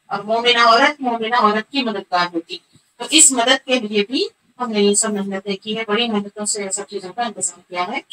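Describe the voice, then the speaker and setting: A woman teaching religion in a voice altered to mask her, pitched a little high with a bright, sharp edge. She speaks earnestly in simple plain words and often repeats a phrase for emphasis. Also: a little hiss or hum, low-quality recording. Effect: voice altered to hide identity. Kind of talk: religious talk and appeal.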